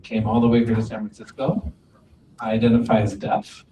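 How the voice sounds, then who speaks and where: A man voicing deaf panelists' introductions as a sign language interpreter, speaking calmly in short phrases. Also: fairly low pitch, brisk. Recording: dull, distant, echoey, faint ambient noise.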